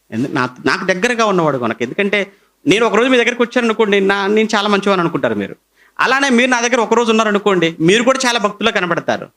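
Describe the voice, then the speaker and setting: A middle-aged man with a Telugu accent, preaching a sermon as pastor, his pitch swinging high and low as he presses his points. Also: fairly bright tone.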